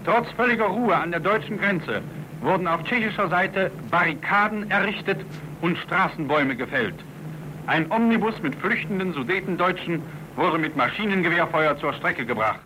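Man, old newsreel announcer, declaiming, high pitched, hissy old recording. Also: lively intonation, moderate pace. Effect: old newsreel soundtrack. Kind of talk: propaganda newsreel commentary.

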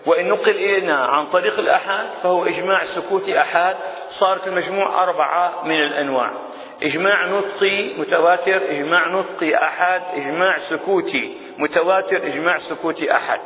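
A man teaches a religious lesson, explaining each point step by step and putting rhetorical questions to his listeners. His voice sits high. The recording is thin and tinny and carries a long hall echo. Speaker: Islamic scholar teaching a creed text. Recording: tinny phone-like sound in a reverberant hall.

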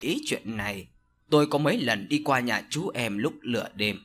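A man narrating a horror audio story in an expressive storytelling manner. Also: mid-range voice, moderate pace, slight background noise.

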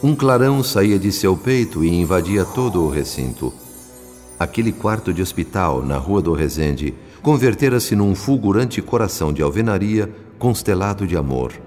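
A man with a Brazilian accent giving solemn, literary, measured narration for a radio drama. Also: sits low, animated, darkish tone, in a large hall, soft background music.

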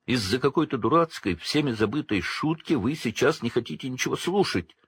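A man voicing a defiant teenage boy wizard, pitched up and pushing hard, in a storybook reading. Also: lively intonation, brisk, a bit bright, slightly rough, dry recording, full character voice. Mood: desperate arguing.

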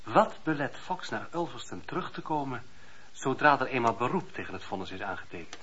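An actor playing a sober, reserved middle-aged official in a radio drama, talking in a formal, measured way. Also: male voice, mid-range voice, animated, very noisy, close to an everyday voice. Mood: sceptical. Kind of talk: Dutch radio drama acting. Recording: dull lo-fi radio recording.

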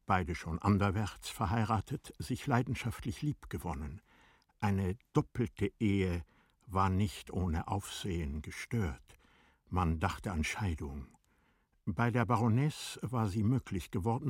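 Deep, husky male literary narrator. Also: a little mellow, no room sound, clean studio sound. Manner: measured, composed storytelling. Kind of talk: literary radio drama narration.

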